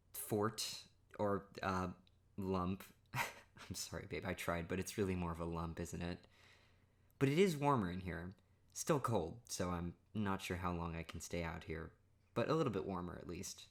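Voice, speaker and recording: Low-voiced playful young man. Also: measured pace. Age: young adult. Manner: playful, teasing, laughing often. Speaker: ASMR roleplay creator. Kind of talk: ASMR boyfriend roleplay.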